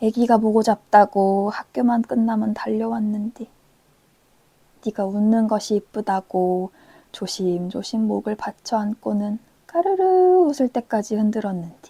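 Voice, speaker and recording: Speaking at a fairly slow pace, a woman with a fairly high pitch and ordinary pitch variation has a somewhat breathy voice and a dark, mellow tone, recorded dry and close with no echo. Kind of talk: audiobook reading.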